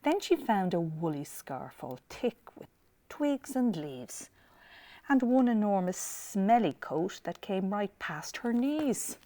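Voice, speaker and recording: A woman's voice: mid-range voice, very animated, slow, dark tone. A woman reading a children's picture book aloud expressively, with asides to young listeners. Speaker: library storyteller.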